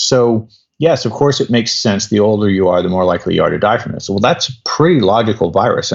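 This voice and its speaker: A man in his fifties talks through ideas in a loose, rambling way, circling back and restarting his sentences. His voice sits low, and the audio is dull and muffled, as if recorded with a cheap mic. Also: creaky, a little mellow. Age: 50s. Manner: rambling explanatory, many restarts. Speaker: guest doctor. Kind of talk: podcast interview.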